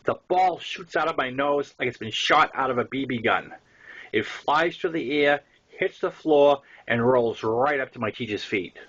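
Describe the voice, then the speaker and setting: An older man with a Boston accent and a husky voice, reading his own first-person story as an audiobook narration. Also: mid-range voice, moderate pace, a bit bright, lo-fi sound.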